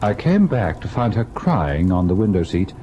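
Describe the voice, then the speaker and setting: A gentle, anxious young husband from a vintage radio ghost play. His voice is very low and moves around expressively. The old recording carries faint noise. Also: very animated, moderate pace, muffled recording. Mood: reflective, wistful. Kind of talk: old-time radio drama acting and narration.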